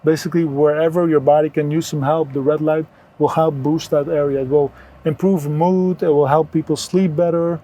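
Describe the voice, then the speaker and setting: Higher-voiced mellow man from Belgium, explaining earnestly. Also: steady tone, moderate pace, poor audio. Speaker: interview guest, wellness entrepreneur. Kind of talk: conversational health advice.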